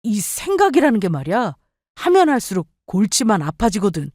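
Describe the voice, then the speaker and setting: A woman's voice: medium pitch, sing-song, normal speed, a little mellow, no room sound, studio quality. Woman doing a wheedling eager husband. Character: eager young husband, pushy and self-serving.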